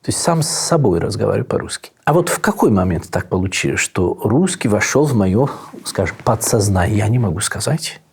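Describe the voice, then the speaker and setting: A man who is not a Russian speaker, a priest answering interview questions in a slow, thoughtful way with frequent pauses. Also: lowish voice, animated, vocal fry, darkish tone, slightly rough. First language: Italian. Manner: unhurried, thoughtful, frequent hesitations. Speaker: Orthodox priest and monk, interview guest. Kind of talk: reflective conversational answers.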